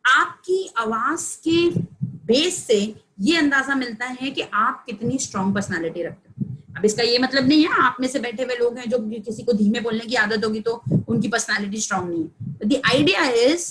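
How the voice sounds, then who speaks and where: Woman trainer, high voice, conversational teaching on a video call, asks the audience questions, faint background hiss. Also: fairly bright tone, low-quality recording. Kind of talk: online training session. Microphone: headphones on a video call.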